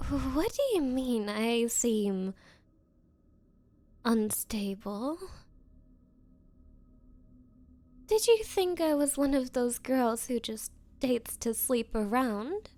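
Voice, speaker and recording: A woman playing a nervous, obsessive young woman on a date in an anime-style ASMR roleplay, speaking haltingly and flustered. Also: sits high, dark tone. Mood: hurt, unsettled. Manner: halting, flustered, breathy hesitations. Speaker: roleplay voice performer.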